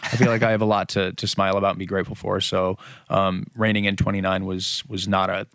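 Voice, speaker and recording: A man's voice: low voice, flat delivery, fast, gravelly, fairly bright tone, clear, resonant tone, no room sound, clean studio sound. A man in his late twenties interviewing a band in a casual, joking way, swearing freely and laughing often. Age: 20s.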